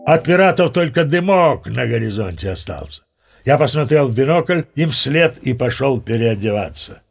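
Gravelly, boastful old sea captain. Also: male voice, mid-range voice, animated, moderate pace, soft background music. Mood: boastful storytelling. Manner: chatty, self-satisfied storyteller addressing the listener. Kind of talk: audio play storytelling monologue.

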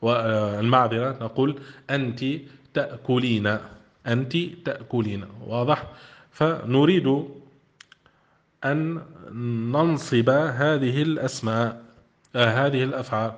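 A man's voice: medium pitch, moderate pace, pauses often, muffled recording. A man teaching an Arabic grammar lesson. He reads a classic text aloud, then explains it with repeated questions to his students.

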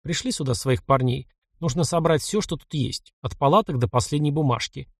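A man's voice: fairly high pitch, big pitch swings, fast, dry recording, studio quality, pitched above the performer's own voice. A man voicing a sly young frontier fighter. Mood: brisk, cheerful. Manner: mocking, clipped commands.

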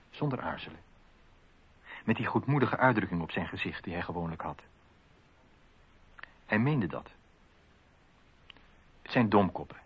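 Earnest low, husky witness. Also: male voice. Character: loyal male witness, earnest and admiring, recalling a friend. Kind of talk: radio drama testimony. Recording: dull lo-fi radio recording.

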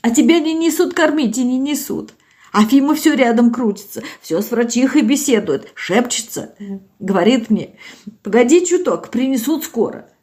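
Weepy old countrywoman, sing-song lament, high and quavering, voiced by a woman. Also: animated, normal speed, warm tone, lightly acted. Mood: tearful. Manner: sing-song, sobbing, folksy.

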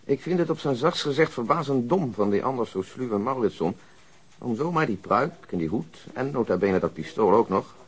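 An actor playing a measured, pessimistic police detective in a radio drama, speaking in a deliberate, understated way. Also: male voice, medium pitch, lively intonation, breathy edge. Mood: measured, doubtful.

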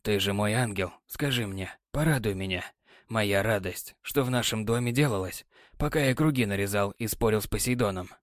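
Brief: gruff, sighing old sea captain, read by a male narrator, low and quiet. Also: normal speed, no echo, clean studio sound, lightly acted. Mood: weary. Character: weary, gruff older sea captain, tender husband. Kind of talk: audiobook character voice.

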